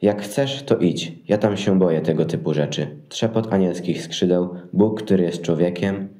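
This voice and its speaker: A man's voice: sits low, moderate pace, mellow, reverberant, close to an everyday voice. A man playing a lazy, fearful shepherd in a Christmas audio play, grumbling in a colloquial, dragging way. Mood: reluctant. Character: lazy, fearful, reluctant shepherd who wants to sleep.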